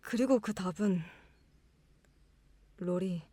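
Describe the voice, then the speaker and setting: An independent young woman in a literary audio drama. She speaks slowly and sincerely, with a hesitant, heartfelt manner. The sound is dry, with no room on it. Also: mid-range voice, warm tone, dry recording. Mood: sorrowful, resolute. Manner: slow, hesitant, heartfelt delivery.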